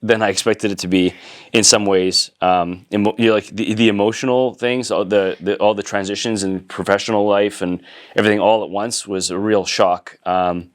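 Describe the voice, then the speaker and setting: A deep-voiced Canadian man with a Canadian English accent is a guest entrepreneur in a casual interview conversation. He speaks at a moderate pace, relaxed and thoughtful, with many fillers and restarts.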